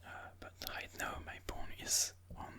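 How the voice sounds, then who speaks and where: An ASMR host giving chess commentary in a breathy, unvoiced whisper, explaining moves slowly and deliberately. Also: sharp tone.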